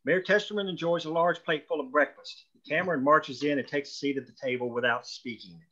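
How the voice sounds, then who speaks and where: A man's voice: fairly high pitch, a little fast, bright, forceful tone. A man reading screenplay stage directions as scripted narration at a table read, on dull lo-fi audio.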